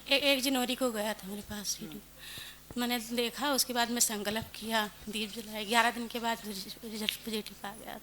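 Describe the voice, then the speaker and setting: A woman giving a testimony with soft, brief answers. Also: fairly high pitch, steady tone, normal speed, background noise.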